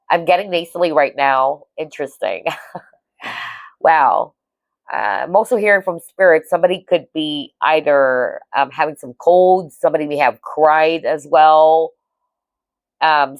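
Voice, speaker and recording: A woman's voice: deep voice, no echo. A woman giving a casual tarot reading to viewers, chatty and reassuring, often checking in with "okay?". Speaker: tarot reader.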